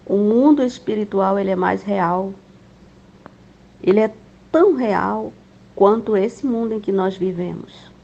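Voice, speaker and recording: A woman's voice: mid-range voice, vocal fry, mellow. A woman giving an earnest, emotional religious testimony to fellow believers, in a dull, slightly lo-fi recording. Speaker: church member giving testimony. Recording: dull lo-fi with faint noise.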